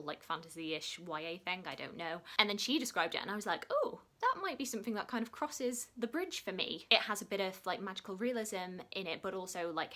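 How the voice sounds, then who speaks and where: A woman's voice: lowish voice, pushed and bright. A young woman from West Yorkshire with a mild Yorkshire accent, chatting casually to camera as a book vlogger, self-mocking and full of "like" fillers. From West Yorkshire, England.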